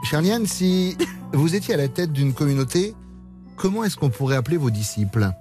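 A man's voice: fairly high pitch, lively intonation, moderate pace, a little mellow, faint music behind. A man hosting a radio show, asking playful, teasing questions of his guest. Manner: teasing, friendly interviewer. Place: radio studio.

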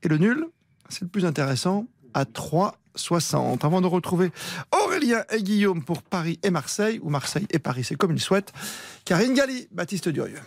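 A man hosting a sports radio show with lively, bantering talk about betting. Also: high voice, fairly quick, creaky, no echo, studio quality.

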